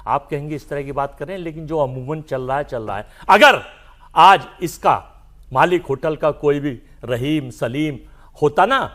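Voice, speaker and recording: A man with a fairly high voice argues on a TV panel. He speaks loudly and keeps pressing his point over the interruptions. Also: animated, a little slow. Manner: loud, insistent, keeps talking over others. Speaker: political panelist. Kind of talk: heated TV panel debate.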